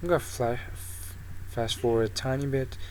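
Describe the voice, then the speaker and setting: A man speaks with ordinary pitch variation. Noticeable background noise can be heard. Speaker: game commentator. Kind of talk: live game shoutcast commentary.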